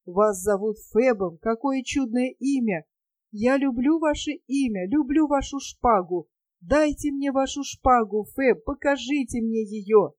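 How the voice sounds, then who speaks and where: A woman's voice: a little high, measured pace, a little mellow, dry recording, close to an everyday voice. A woman voicing an adoring, naive young female gypsy dancer in an audiobook, with a pleading, girlish, breathless manner.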